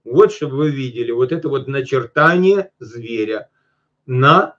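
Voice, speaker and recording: A man preaching a sermon. He reads scripture slowly and breaks off into quick, colloquial asides, often turning to his listeners directly. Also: mid-range voice, a bit bright. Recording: dull lo-fi recording.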